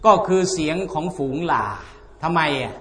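A man's voice: a little high, expressive, moderate pace. A man giving a conversational religious sermon to a congregation, folksy, often asking the listeners rhetorical questions. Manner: chants scripture passages. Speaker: Islamic religious teacher.

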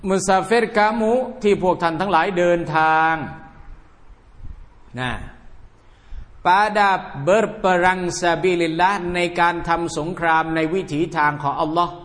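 A man's voice: a little high, fairly bright tone, in a large hall. A man giving a religious lecture, blunt and colloquial, often calling his listeners brothers. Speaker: Islamic religious teacher.

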